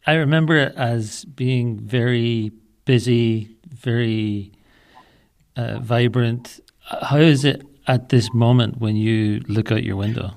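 Brief: male interviewer, gravelly fry in the voice, halting, restarts his questions. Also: mid-range voice, fairly even intonation, darkish tone. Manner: hesitant, repeats words while asking.

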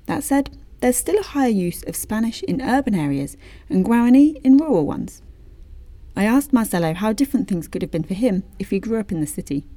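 Warm dry woman narrator. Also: mid-range voice, sing-song, moderate pace, dry recording. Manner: wry, informal asides. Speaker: host and narrator. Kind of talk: scripted documentary narration.

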